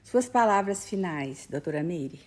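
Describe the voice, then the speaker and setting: A woman's voice: fairly low pitch, animated, unhurried, darkish tone, slight background noise. A woman interviewer speaking courteously to her guest.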